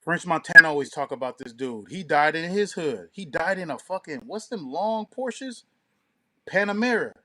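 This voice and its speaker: A man with a somewhat high-pitched voice talks casually as a show co-host. He is opinionated and emphatic, leaning on street slang and swearing freely. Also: animated, moderate pace, sharp tone, a little hiss or hum.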